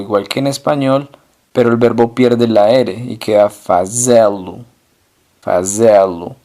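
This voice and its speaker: A male teacher at an unhurried pace, working through drill questions and answers. He says each example word slowly and often twice. His pitch sits at an ordinary middle level. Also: a little mellow. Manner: poses questions, then answers slowly and deliberately, repeating example words. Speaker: language teacher. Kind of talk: slow language lesson with drill questions.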